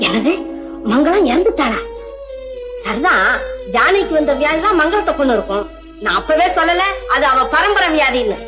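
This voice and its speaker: A cruel, scheming woman who spits sharp, mocking rebukes in a piercingly high voice. It comes from an old film soundtrack with music clearly behind her. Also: sing-song, moderate pace, long pauses, muffled recording. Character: spiteful scheming middle-aged woman. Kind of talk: 1960s film drama.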